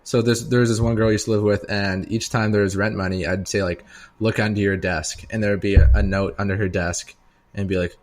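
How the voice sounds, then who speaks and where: A man's voice: lowish voice, flat delivery, fairly quick. A man co-hosting a podcast, telling anecdotes in an informal, slangy way. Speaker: podcast co-host. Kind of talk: casual banter and anecdotes.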